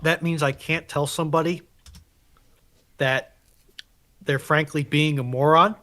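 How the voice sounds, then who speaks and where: Man, slightly high pitch, very unhurried, halting, careful qualifications, casual panel chat. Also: fairly even intonation, pushed and bright. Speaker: livestream co-panelist and chat moderator.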